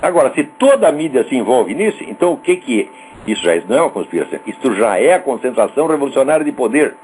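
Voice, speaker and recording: Fuming Brazilian man, animated swooping voice. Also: mid-range voice, fast talker, slight background noise, poor audio. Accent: Brazilian Portuguese. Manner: profane, scornful, sarcastic, shouts insults. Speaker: radio show host. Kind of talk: angry ranting monologue.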